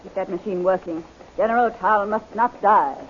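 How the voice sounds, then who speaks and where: A woman's voice: medium pitch, moderate pace, natural voice. An actress playing an imperious, hot-tempered witch queen in a 1930s radio serial, commanding and scornful. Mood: urgent. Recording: dull, noisy 1930s radio recording.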